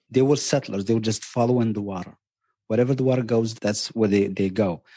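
Here a man speaks at medium pitch with a dark, mellow tone. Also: quiet background. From Morocco, Marrakesh. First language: Berber. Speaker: podcast host and tour operator. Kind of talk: casual interview chat.

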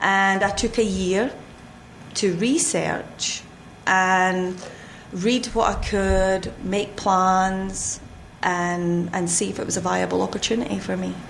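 A woman speaks in a Scottish accent at a very slow pace. Her medium pitch keeps fairly even intonation. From Scotland (Fife). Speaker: small business owner. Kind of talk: interview.

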